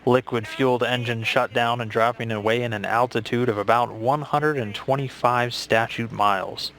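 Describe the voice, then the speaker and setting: An American man giving measured, matter-of-fact live commentary from mission control. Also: medium pitch, steady tone, fairly bright tone.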